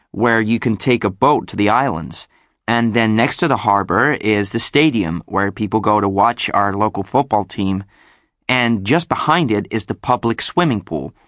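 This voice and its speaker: A man reading a scripted monologue for a listening exercise, in a calm, even way. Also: on the low side, no room sound, studio quality. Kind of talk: scripted monologue describing a town.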